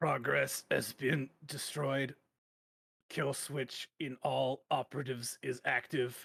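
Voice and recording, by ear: A put-on character voice, robotic and raspy, delivered at a fairly slow pace. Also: man, medium pitch for a man.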